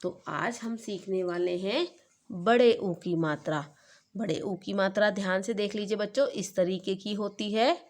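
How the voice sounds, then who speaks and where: A woman's voice: medium pitch, darkish tone. A woman teaching a kindergarten class online, speaking to young children and drawing out sounds to show how they are said. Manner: slow, stretched-out demonstration of vowel sounds.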